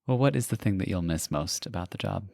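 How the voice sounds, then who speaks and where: A man co-hosting a podcast interview, playful and quick to laugh. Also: sits low, animated, vocal fry, a little mellow, dry recording, clean studio sound. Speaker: podcast co-host. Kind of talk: casual interview chat.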